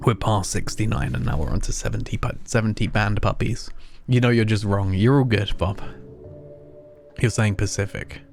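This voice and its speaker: A man's voice: fairly low pitch, normal speed, creaky, darkish tone, faint music behind. A man casually chatting and joking while live-streaming a game. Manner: playful, rambling, teasing chat. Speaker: gaming streamer.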